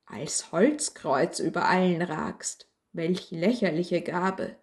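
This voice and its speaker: A woman voicing a small, humble candle that is proud and dreamy and speaks in high, plaintive, indignant rhymes. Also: slow.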